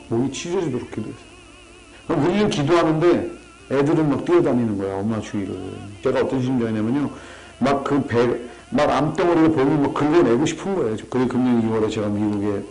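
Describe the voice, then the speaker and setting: A man, a missionary, tells his testimony in an earnest storytelling voice. His voice sinks low and hushed at the sad moments. Faint music plays softly behind him. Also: poor audio. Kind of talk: emotional testimony.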